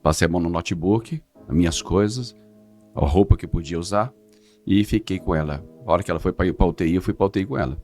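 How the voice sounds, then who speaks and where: A middle-aged man, giving an earnest, halting religious testimony as a podcast guest. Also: deep voice, darkish tone, faint music behind. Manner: earnest, halting, restarts words.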